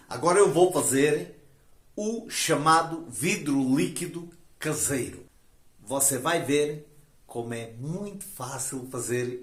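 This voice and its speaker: A man's voice: fairly high pitch, darkish tone. Chatty Portuguese man demonstrating, echoey room. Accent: European Portuguese. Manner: chatty, explains at length, frequent "né?" and "ó". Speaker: DIY video host. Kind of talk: casual how-to demonstration.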